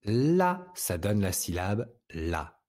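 A French-accented man gives a reading lesson to young children in a lowish voice. He speaks very slowly and patiently, stretching out each sound so it can be heard clearly. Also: sing-song, a little mellow. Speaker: teacher.

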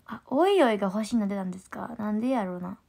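A woman with a Kansai accent chatting casually on a livestream, reading viewer comments, laughing often and slipping into soft whispers. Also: medium pitch, lively intonation, fast, vocal fry. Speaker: idol group trainee hosting a livestream.

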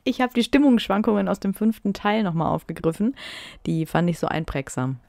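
Here is a woman podcast co-host who chats casually and giggles at her own old writing. She is quick to mock herself. The voice is recorded dry and close, with a medium pitch. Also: lively intonation, creaky, mellow, no room sound. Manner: self-mocking and giggly. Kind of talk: casual chat, reading her old fan fiction aloud.

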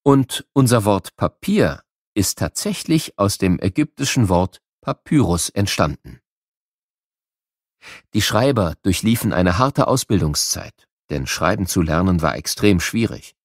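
A man's voice: deep voice, sing-song, a little slow, dry recording, clean studio sound. A man with a standard German accent narrating scripted educational material for children in an explanatory, storytelling manner. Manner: explanatory, storytelling, addressing listeners with questions.

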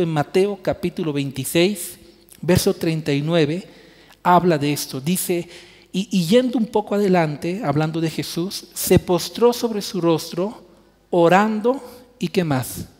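A man's voice: high-pitched, a little slow, darkish tone. A man preaching a sermon as pastor, earnest, stretching key words for emphasis. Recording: church hall reverb.

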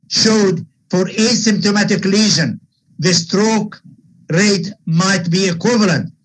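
An older man with an Arab American accent and a husky voice, answering webinar questions as a guest lecturer in an emphatic, opinionated manner. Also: sits high, a bit bright, a little hiss or hum, rough recording. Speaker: guest lecturer, vascular surgeon.

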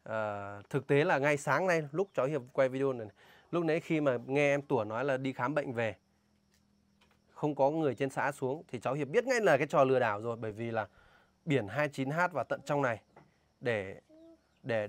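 A man with a northern Vietnamese accent speaking in a casual vlog. He talks indignantly and emphatically, firing pointed questions, in a voice of middling pitch. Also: expressive, normal speed, no echo. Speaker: vlogger warning villagers about a scam. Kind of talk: casual outdoor vlog talk, interviewing a local.

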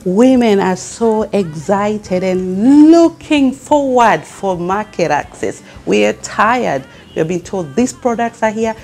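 A woman's voice: medium pitch, gravelly, darkish tone. A middle-aged Kenyan woman with a Kenyan accent, speaking earnestly to camera as a network founder and asking rousing questions. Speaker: founder and CEO of a women's network. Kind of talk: direct-to-camera address. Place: furnished studio lounge with a fireplace, indoors.

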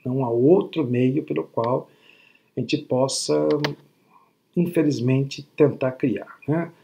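A man in his sixties from Brazil giving a spiritist lecture over a video call from home, teaching in a measured way and often checking that listeners follow along. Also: medium pitch, gravelly, mellow, muffled recording, slight background noise. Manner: teacherly, frequent tag questions. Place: home room at night. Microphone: laptop webcam video call.

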